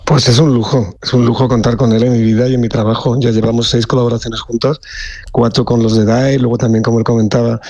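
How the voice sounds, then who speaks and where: A man, a theatre director, explaining his play in a steady way during an interview. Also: mid-range voice, fast talker, dry recording. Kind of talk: radio interview.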